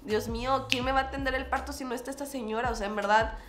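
Mexican woman, casual vlog storyteller, fairly high voice, echoey room with faint music behind; lively, acts out the other voices. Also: fast. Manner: animated, acts out quoted dialogue with lots of fillers. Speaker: vlogger.

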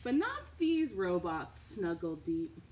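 A woman hosting a storytime for small children, reading and chatting in an expressive, sing-song manner, recorded indoors at home. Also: fairly low pitch, takes it slowly, poor audio. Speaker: children's librarian, storytime host. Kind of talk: children's storytime read-aloud and chat. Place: indoors, home living room. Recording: home recording with faint background noise.

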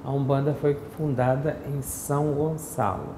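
A woman's voice: very deep voice, unhurried. A middle-aged woman interviewing a religious leader, asking short, prompting questions. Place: indoor temple room with altar. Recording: echoey room with faint hiss.

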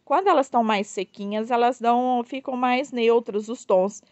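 Excitedly showing off her succulents to followers, this Brazilian woman from southern Minas Gerais, who grows and sells the plants, keeps addressing viewers with gushing enthusiasm. She speaks at a normal speed in a fairly high voice. The sound is muffled, with no room ambience.

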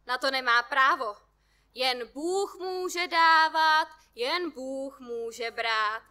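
A woman's voice: high voice, pushed and bright. A woman reading aloud as a pompous man who preaches through a megaphone, drawing out his words. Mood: preachy. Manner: preachy, drawn-out proclaiming.

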